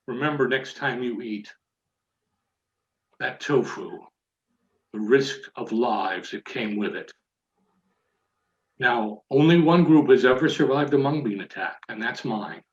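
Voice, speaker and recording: A man telling a mock-serious tall tale as a theatrical storytelling speech, with dramatic pauses and deliberate phrasing. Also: medium pitch. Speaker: Toastmasters contest speaker telling a tall tale. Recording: echoey room, dull muffled audio.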